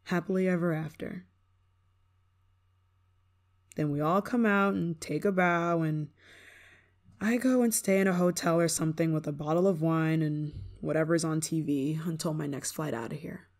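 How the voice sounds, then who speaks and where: A woman's voice: deep voice, moderate pace, darkish tone. A woman playing a prickly, homesick young performer in an ASMR roleplay, grudging in manner but secretly fond of an old friend. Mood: sullen, resigned. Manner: tsundere, grudging, sighing, secretly affectionate. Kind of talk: ASMR roleplay, acted monologue to listener.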